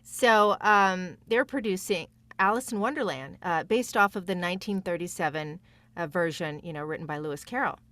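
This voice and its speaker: A woman's voice: lowish voice, moderate pace, a bit bright. A woman chatting casually as a podcast guest, effusive and emphatic in the way she talks. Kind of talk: casual chat.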